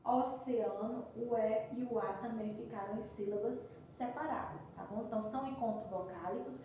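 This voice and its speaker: A woman's voice: fairly high pitch, brisk, background noise. Woman teacher with a distant echoey sound. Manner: patient and explanatory, with frequent checking tags. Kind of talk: recorded class review lesson. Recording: roomy echo from a distance.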